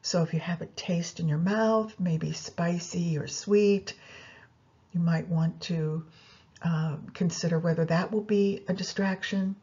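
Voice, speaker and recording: A woman leading a guided yoga nidra meditation, giving unhurried instructions directly to the listener. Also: fairly low pitch, steady tone, warm tone, breathy edge, dull audio.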